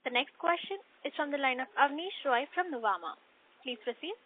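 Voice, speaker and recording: A woman operator gives brisk, formal announcements in a high voice. The sound is thin and phone-like, with a faint hiss behind it. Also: expressive. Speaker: call operator. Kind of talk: scripted announcements. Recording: tinny phone line with hiss.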